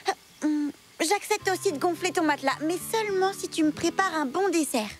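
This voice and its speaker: A woman voicing an earnest, eager young girl in a French cartoon dub, with a hesitant, expressive delivery. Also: very high voice, brisk. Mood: hesitant, hopeful.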